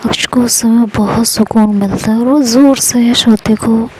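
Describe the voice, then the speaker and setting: Mellow woman storyteller. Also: a little high, fairly even intonation, normal speed, slight background noise, poor audio. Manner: conversational, chatty. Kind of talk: casual audio story narration.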